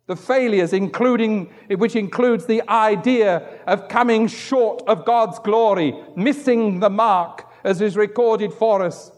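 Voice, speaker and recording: Man, middle-aged pastor, sermon, storytelling, acts out characters, high voice, long hall echo. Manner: storytelling, acts out quoted voices with wide pitch swings.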